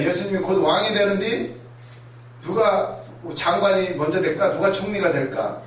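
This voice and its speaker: Animated male preacher in an echoey hall. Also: high-pitched. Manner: animated, acts out voices and asides. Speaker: pastor. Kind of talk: sermon. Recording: echoey hall, mic far off, faint noise.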